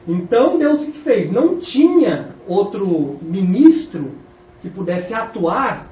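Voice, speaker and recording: A man's voice: high-pitched, slow. A Brazilian man preaching a sermon in a church, talking to the congregation and asking them questions all the way through. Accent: Brazilian Portuguese. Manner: animated, rhetorical questions to the congregation. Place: church hall. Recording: echoey, distant, dull church recording.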